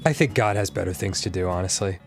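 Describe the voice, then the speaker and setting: A man's voice: low voice, fast talker, soft background music. A man co-hosting a casual let's-play, talking in a laid-back, rambling way and laughing easily. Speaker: co-host.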